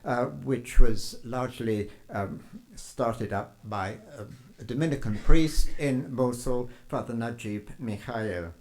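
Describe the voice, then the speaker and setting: A man's voice: mid-range voice, a little mellow, poor audio. An older man giving an academic conference talk, hesitant, with many ums and uhs. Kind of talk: academic lecture.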